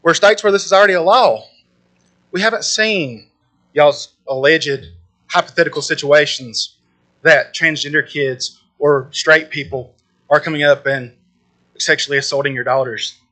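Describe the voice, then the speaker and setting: A man's voice: on the high side, moderate pace, sharp tone. A man giving an impassioned public comment in a meeting room, indignant and pointed as he addresses the crowd directly.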